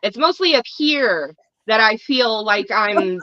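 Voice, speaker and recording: A woman's voice: on the high side, animated, slow, bright, forceful tone, no room sound, lo-fi sound. A woman in her thirties chatting on a podcast, peppering her talk with "like". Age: 30s. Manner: lots of "like", incredulous. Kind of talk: casual chat.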